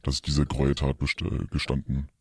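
A man on a comedy podcast playing an anonymous confessor through a distorted, pitched-down voice effect, hesitant and mock-solemn with many fillers. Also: monotone, a little fast, dry recording, clean studio sound. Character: anonymous male confessor hiding his identity. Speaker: podcast co-host.

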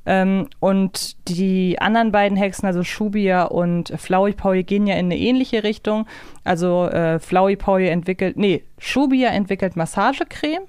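A woman's voice: medium pitch, moderate pace, a little mellow, clean tone, no room sound, clean studio sound. A woman chatting casually as a podcast co-host, thoughtful and sometimes searching for her words. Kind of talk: casual chat about an audio drama series.

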